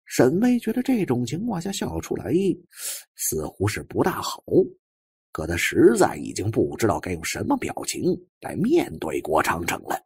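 A man's voice: on the low side, huge pitch swings, normal speed, gravelly, breathy edge, no room sound. A man reading an audiobook as a dramatic, scripted narration.

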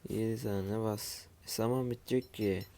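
A groggy man who has just woken up, talking through a game in a low, gravelly voice. His tone is dark and mellow, and he mutters to himself as he builds, dropping the odd aside to viewers from his room at home. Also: fairly even intonation, moderate pace. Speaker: gamer streaming his play. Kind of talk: casual let's-play commentary.

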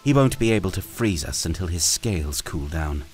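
A man's voice: low-pitched, sing-song, moderate pace, darkish tone, faint music behind. A man reading a fantasy storybook aloud, voicing a cruel, scheming female sand dragon queen who hisses her words with cold scorn. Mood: contemptuous.

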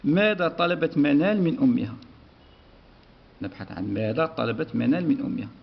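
Man, teacher, very gravelly voice, dull lo-fi recording, slow dictation. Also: on the high side, lively intonation. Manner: slow, dictating, repeats words while writing. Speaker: primary school teacher. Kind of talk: step-by-step exam walkthrough lesson.

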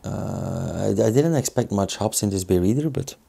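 A man in his thirties from Belgium with a Belgian accent, reviewing a beer in a small indoor studio, thoughtful and unhurried with many fillers. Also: fairly low pitch, lively intonation, gravelly, dark tone, husky. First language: Dutch.

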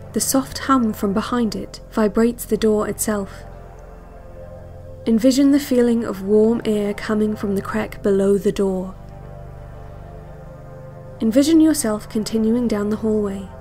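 Female cassette instructor played by a woman for audio drama: slow, clinical, hypnotic and quietly controlling, light music underneath. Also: medium pitch, close to an everyday voice. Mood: calm, controlled. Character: calm, controlling female relaxation-tape instructor. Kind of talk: guided visualization cassette narration.

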